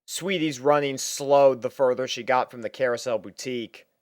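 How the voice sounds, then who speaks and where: A narrator with a mid-pitched voice reads a story from a script. The recording is dry, with little room sound. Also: normal speed, no room sound. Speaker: storyteller, fan fiction reader.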